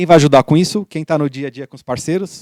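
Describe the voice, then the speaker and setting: The man talks at a fairly quick pace. His pitch is fairly high, with ordinary pitch variation. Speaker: technology company partner leader. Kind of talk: podcast conversation.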